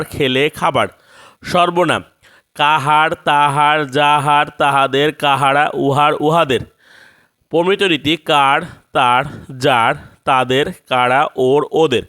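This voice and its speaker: A man narrating a scripted grammar lesson, reading out word lists one by one in a measured way. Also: a little high, a bit bright, clean tone. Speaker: grammar teacher.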